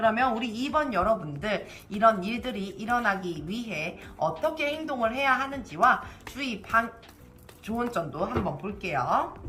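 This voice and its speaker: A woman with a fairly high voice speaks at a fairly slow pace with lively intonation. Noticeable background noise and audible room echo are present. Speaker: tarot reader. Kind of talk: tarot reading to camera. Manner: many filler sounds, hesitant.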